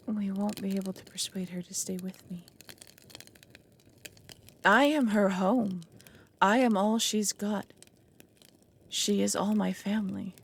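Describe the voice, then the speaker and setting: A woman playing an anxious, possessive dragon in an ASMR roleplay, halting and formal, often dropping into breathy half-whispers. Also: mid-range voice, slight background noise. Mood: pleading, afraid. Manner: halting, earnest, formal wording. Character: anxious, lonely, possessive female dragon, awkwardly smitten. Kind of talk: ASMR roleplay audio drama.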